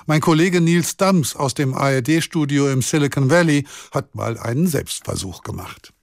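A man hosting a radio news program with clear, measured moderation. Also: medium pitch, lively intonation, no room sound, studio quality. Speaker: radio show host.

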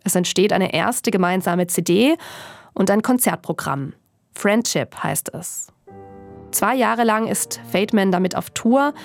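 Woman reading radio doc narration, calm and even, soft music under it. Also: medium pitch, vocal fry. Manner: calm, measured storytelling. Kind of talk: scripted documentary narration.

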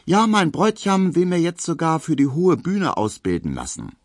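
A man's voice: fairly high pitch, wildly swooping pitch, moderate pace, no room sound, clean studio sound, voice pushed up. A man voicing a chatty young woman, asking eager questions in a raised voice. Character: young blonde Berlin maid, chatty and showy.

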